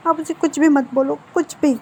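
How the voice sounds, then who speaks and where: A tearful, anxious young man pleads through his crying in a storybook retelling, as a woman reads him out. The voice sits high and soft, with a mellow tone. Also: fairly even intonation, moderate pace, a little hiss or hum. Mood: tearful, pleading.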